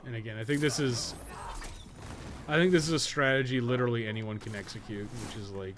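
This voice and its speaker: A man's voice: mid-range voice, fairly quick. A man giving casual, rambling gameplay commentary with plenty of swearing and crude joking. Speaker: podcast co-host streaming a video game. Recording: clearly noisy background.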